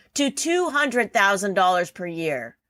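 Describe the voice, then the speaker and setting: In a slight East Coast US accent, a woman moves through very wide pitch swings at a moderate pace, in a very clean recording with a silent background and a dry, close sound with no echo. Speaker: podcast host and money coach. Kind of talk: scripted podcast monologue. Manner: casual, conversational.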